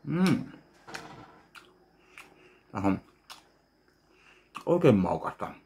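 A man's voice: fairly low pitch, big pitch swings, vocal fry, mellow. A man in his thirties, recording a casual food tasting vlog at home, talking between bites and humming while he chews. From Finland. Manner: chewing and savoring aloud, mumbled asides while eating. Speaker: food review vlogger. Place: small home kitchen, indoors. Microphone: webcam at desk, framed close.

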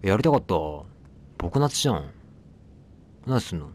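A man's voice: lowish voice, sing-song, normal speed. Guy rambling thru a let's play, voice jumps up and down a lot, talks back at the game. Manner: chatty, talks back at the game, apologizes for noise. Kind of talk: casual game commentary.

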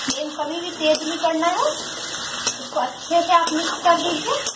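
A woman with a high voice explains a recipe step by step at her home stove, speaking patiently and repeating each instruction for her viewers. The kitchen sounds echoey, and the camera mic above the pot picks up a loud, steady hiss behind her voice. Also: moderate pace. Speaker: home cook presenting a recipe. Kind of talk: step-by-step cooking demonstration.

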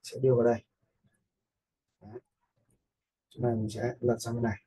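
A man with a gravelly, husky voice, casually commenting as he teaches video editing. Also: medium pitch, flat delivery, a little fast, dark tone. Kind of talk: casual screen-recorded tutorial commentary.

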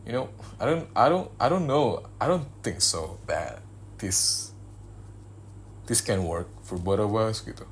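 A man's voice: lowish voice, animated, slow, a little hiss or hum. A young man voicing a cold, dismissive husband in an arranged marriage, in a spoken ASMR role-play. He talks bluntly in casual slang and slips English phrases in between.

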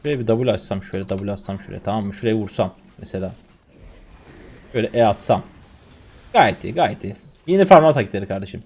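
Lively young male gamer streamer. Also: lowish voice, quick pace. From Turkey. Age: 20s. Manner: swings from muttering to shouting and laughing. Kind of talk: excited gameplay commentary.

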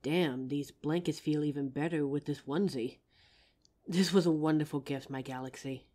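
A woman voicing a gentle young female werewolf girlfriend in an audio roleplay, speaking tenderly and slowly through a grounding exercise. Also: low-pitched. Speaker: voice actor.

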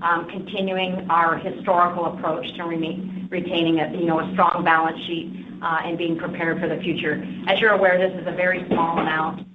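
Woman exec answering on a conference call, kinda low voice, echoey phone sound. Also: little pitch movement, normal speed, hardly any pauses. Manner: composed, explanatory, some fillers. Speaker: insurance finance executive. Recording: tinny, echoey phone line with faint hiss.

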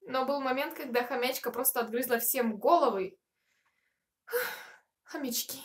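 Young woman, 21, high voice, chatty vlogger doing a q&a to camera. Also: a little slow. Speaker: video blogger answering viewer questions. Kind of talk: casual chat to camera. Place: small furnished room, indoors.

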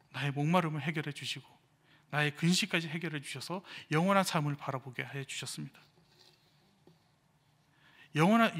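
A young man, an evangelist, giving a sermon with a personal testimony, telling his story with animated delivery and acting out the speech of others, recorded in a church sanctuary. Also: a little high. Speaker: evangelist preaching. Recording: reverberant church hall.

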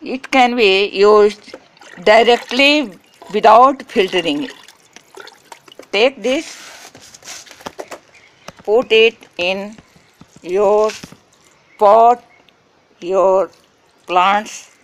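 A woman whose first language is Hindi, hosting a gardening channel and giving slow step-by-step instructions in short phrases. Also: mid-range voice. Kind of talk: step-by-step how-to narration.

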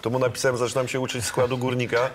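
A man's voice: medium pitch, monotone, racing, background noise. A middle-aged man, a regular football pundit on a TV studio show, telling rambling anecdotes and correcting himself as he goes. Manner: rambling storyteller, self-corrects.

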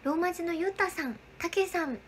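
A woman's voice: very high voice, brisk, slight background noise. A young woman hosting a casual livestream, greeting viewers by name and answering their chat comments. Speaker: livestream host.

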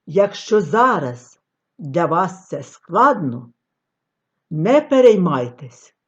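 A woman delivers a scripted lecture on stage reading in an expressive, declamatory way. Her pitch swings widely as she stretches out her phrases at an unhurried pace. The recording sounds dull and lo-fi. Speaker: reading teacher.

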